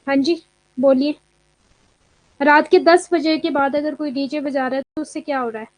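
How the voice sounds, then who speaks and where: High-voiced chatty woman teaching online. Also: fairly even intonation, moderate pace, dry recording. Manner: chatty, mixes Hindi with English terms; answers students' chat comments aloud. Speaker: exam coaching teacher. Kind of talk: live online class.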